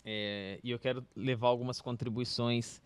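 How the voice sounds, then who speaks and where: A man with a Brazilian Portuguese accent hosts an interview podcast. He thanks his guest warmly and reflects aloud on what she has said. The recording is dry and close. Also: medium pitch, level tone, moderate pace, smooth, no echo. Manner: warm, appreciative, reflective. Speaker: podcast host. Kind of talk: conversational interview.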